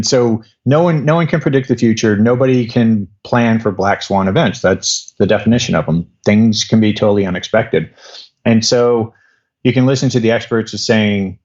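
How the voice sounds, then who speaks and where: A man's voice: on the low side, a little mellow, muffled recording. A man in his fifties explaining at length in a podcast interview, rambling with many restarts. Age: 50s. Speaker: guest doctor.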